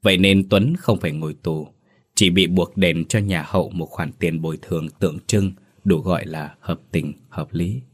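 A man's voice: low voice, steady tone, moderate pace, husky. A man narrating a tragic village ghost story in a solemn, mournful, scripted style.

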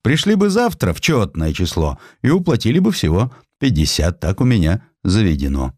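A man's voice: lowish voice, sing-song, normal speed, darkish tone, no room sound, studio quality. A man voicing a stern, eccentric medical professor in an audiobook, curt, commanding and businesslike.

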